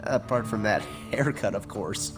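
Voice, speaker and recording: A man's voice: on the low side, expressive, a little slow. A man voicing a wisecracking young superhero in a video game, quippy and teasing. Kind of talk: video game cutscene dialogue. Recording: music behind the voice.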